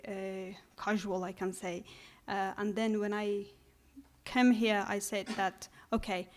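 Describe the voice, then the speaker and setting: A young woman from Afghanistan giving a hesitant speech to an audience, with many fillers and restarts. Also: medium pitch. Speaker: invited speaker.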